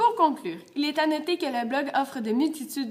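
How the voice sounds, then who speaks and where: Fairly quick, high-pitched female speech with lively intonation. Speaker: student presenter and interviewer. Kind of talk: scripted conclusion of a class project video.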